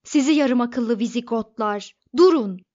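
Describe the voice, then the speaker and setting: A flustered young Englishman who yells in a panic, his voice pitched up and pushed loud, as a woman reading an audiobook puts him on. The recording sounds dull and lo-fi. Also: takes it slowly. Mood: shouting, panicked. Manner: shouting in alarm.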